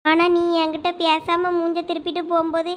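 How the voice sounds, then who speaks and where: A woman's voice: very high voice, monotone, a little fast. A woman voicing an apologetic, tearful young woman in a cartoon, with a Thoothukudi Tamil accent. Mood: pleading. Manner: pleading, apologetic. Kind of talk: cartoon voice acting.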